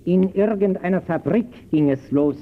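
A man's voice: high voice, normal speed, close to an everyday voice. Actor as earnest declaiming man, muffled old recording. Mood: indignant, earnest. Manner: declamatory, rhetorical. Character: earnest, indignant male debater lecturing on injustice. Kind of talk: 1920s German radio play dialogue. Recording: dull old radio recording, faint noise.

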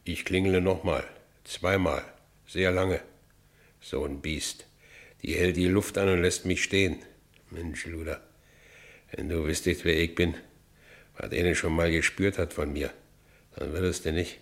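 Brooding Berlin ex-convict, very deep voice, working-class, colloquial, bitter, radio drama monologue. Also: male voice, fairly even intonation, a little slow, pauses often. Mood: indignant, bitter. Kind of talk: first-person radio play narration.

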